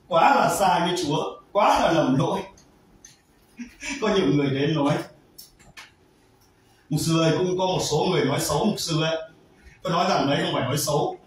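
High, lively male pastor in an echoey hall. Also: far from the mic. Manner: animated, swings from quiet asides to loud emphatic cries. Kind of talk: sermon. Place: church hall.

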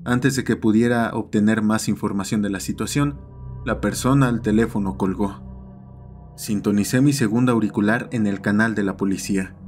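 A man's voice: fairly low pitch, fairly even intonation, normal speed, a little mellow, soft background music. A man doing scripted first-person narration for an audio horror story.

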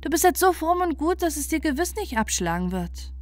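A woman's voice: high voice, sing-song, brisk, voice pushed up. A woman voicing a sly, wicked queen in a fairy tale, insistent and persuasive. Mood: coaxing. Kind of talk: storybook character voice.

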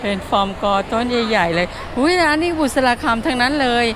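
Her fairly high voice very animated and fairly quick, a woman hosts a walk-around video at an outdoor plant market. She banters with vendors, exclaims often, and repeats their responses for the camera amid crowd chatter and street noise.

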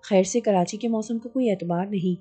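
A woman narrates a horror audiobook in a measured, steady way. Her voice is very dark and husky. Soft music plays faintly behind her. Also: mid-range voice. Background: faint background music.

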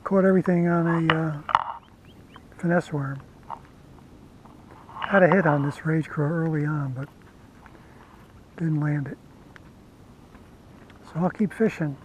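A man casually narrating his fishing trip from a kayak, talking to the camera in a relaxed, chatty way. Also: on the high side, takes it slowly, long pauses, dull audio, noisy background. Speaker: fishing vlogger. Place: kayak on a lake outdoors. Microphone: head-mounted action camera.

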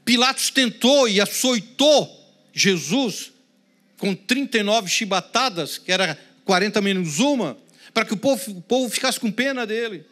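A man with a Brazilian Portuguese accent preaching a sermon, swinging between loud emphasis and hushed, prayerful tones. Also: sits high, expressive, normal speed. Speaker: pastor.

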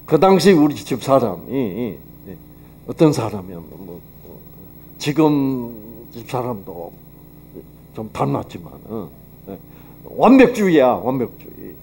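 A man's voice: mid-range voice, very animated, a little slow, darkish tone, slightly rough. A man giving a lecture with Bible teaching at a health seminar, talking conversationally and putting rhetorical questions to his audience. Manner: acts out quoted dialogue.

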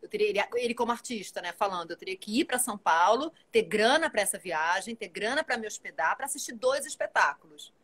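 A woman's voice: medium pitch, fast talker, few pauses. A woman in her forties, an actress, talking casually and animatedly as a guest on a live video call from home. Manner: animated, talkative, gestures while speaking. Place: home room with plants and shelves.

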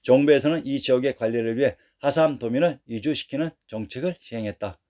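A man giving a formal, steady scripted narration as a history narrator, reading dates and place names one after another. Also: mid-range voice, brisk.

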